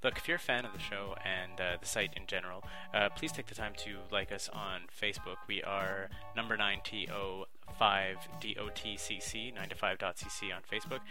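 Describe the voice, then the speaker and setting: A man's voice: on the low side, steady tone, a little fast, few pauses, music in the background. A man hosting a podcast, telling a story in casual chat, laughing and swearing a lot. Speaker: podcast host.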